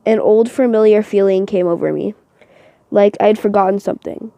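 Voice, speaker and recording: Woman reading a story out loud, deliberate n expressive, mid pitch, no room echo. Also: creaky. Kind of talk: dramatic novel narration for a voice audition.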